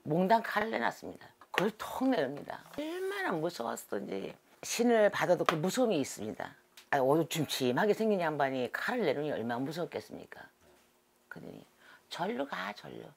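A middle-aged woman, a shaman, telling stories from her past in an animated, dramatic way during an interview. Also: low-pitched, a little fast, slight background noise. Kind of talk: storytelling interview.

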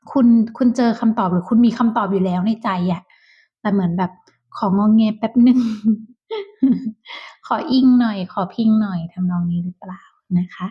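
A woman giving a casual tarot reading to viewers, talking softly and chattily with whispered asides. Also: mid-range voice, moderate pace, slightly rough. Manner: soft, chatty, with whispered asides and light laughs. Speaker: tarot reader. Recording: dull lo-fi sound.

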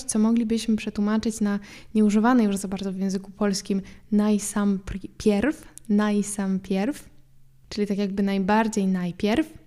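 A woman hosts a podcast lesson in a calm, explanatory way. Her voice is soft and mellow, and she repeats each word slowly so listeners can follow. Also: medium pitch. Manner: patient, repeats French words slowly for practice. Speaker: French teacher and podcast host.

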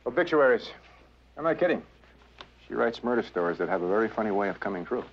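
An actor playing a brisk, sardonic male police lieutenant in a 1970s TV drama. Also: fairly low pitch, expressive, a little hiss or hum. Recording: dull 1970s TV soundtrack.

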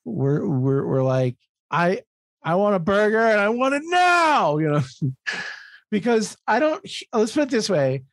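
A man's voice: high voice, big pitch swings, measured pace, no room sound, studio quality. American man, profane casual podcast talker. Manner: profane, emphatic, repeats words as he explains. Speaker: podcast co-host. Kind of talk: casual comedic chat.

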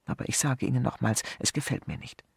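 A male audiobook reader plays a polished, wary hotel manager whose smooth courtesies turn sharp, in a heavily acted performance. His mid-range voice is gravelly and husky, animated and quick, recorded dry and close with no echo.

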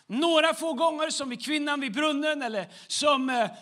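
A man's voice: very high-pitched, sharp tone. A man preaching a sermon as the church's pastor, in a conversational way, acting out short everyday dialogues.

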